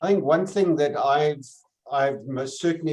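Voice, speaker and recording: In a Cape Town accent, a man talks with ordinary pitch variation. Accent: Cape Town South African. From South Africa, Cape Town. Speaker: webinar participant. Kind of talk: live Q&A on video call. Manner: halting.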